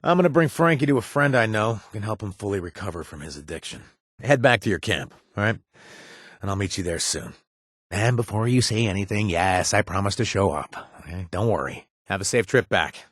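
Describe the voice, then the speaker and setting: A man's voice: lowish voice, expressive, brisk, a bit bright, dry recording, clean studio sound. A man voicing a weary, streetwise game companion who pleads emotionally with his lost brother, his voice rising when desperate. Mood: calm reassuring. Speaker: companion character in a video game. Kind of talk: game voice acting.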